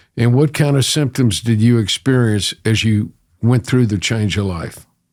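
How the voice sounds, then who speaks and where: A man speaks with a Texan accent and ordinary pitch variation. The recording is very clean, with a silent background. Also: medium pitch for a man, moderate pace. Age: 70s. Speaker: physician and show host. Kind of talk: interview.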